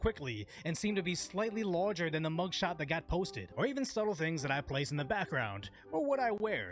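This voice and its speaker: With music in the background, a man speaks at a fairly quick pace, his fairly high pitch moving in very wide swings. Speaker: political commentary youtuber. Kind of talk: scripted commentary. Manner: sarcastic, joking.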